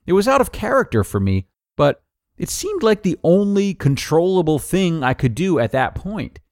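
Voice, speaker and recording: A man reading a scripted personal advice article aloud in an upbeat, tidy manner with clear phrasing. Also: high-pitched, very animated, moderate pace, a little mellow, no echo, studio quality.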